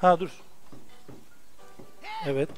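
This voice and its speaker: A young man giving casual, excitable gameplay commentary, swearing and talking to the game as he plays. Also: slow pace, soft background music. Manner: excitable, swearing, talks to the game and his horse. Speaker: gameplay streamer. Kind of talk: casual let's-play commentary.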